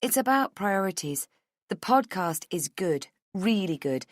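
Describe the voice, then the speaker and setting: A woman's voice: mid-range voice, big pitch swings, a little slow, no echo, clean studio sound. Woman acting an insistent, defensive female podcaster. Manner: pleading, argumentative. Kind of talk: audiobook character dialogue.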